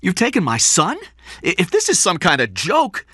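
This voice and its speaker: A narrator voicing a tense, forceful businessman father with an urgent, insistent delivery. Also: medium pitch, wildly swooping pitch, moderate pace, breathy edge, no echo, clean studio sound, pitched above the performer's own voice, heavily acted. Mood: stunned.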